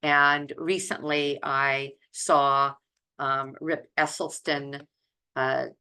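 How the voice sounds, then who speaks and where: An older woman talking informally as a health coach and video host, in a halting, deliberate way with pauses mid-phrase. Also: a bass voice, little pitch movement, sharp tone, clean tone. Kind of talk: informal talk to camera.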